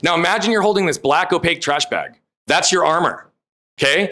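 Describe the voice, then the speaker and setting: A loud man at a very fast pace, bright, sharp tone and lively intonation. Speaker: performance coach. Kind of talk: podcast interview.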